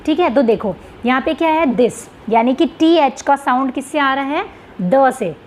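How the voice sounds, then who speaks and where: A woman's voice: high-pitched, expressive, a little hiss or hum. A woman teacher explaining English sounds in an exam-prep lesson, checking in with her students and asking rhetorical questions as she goes. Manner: reads English questions slowly.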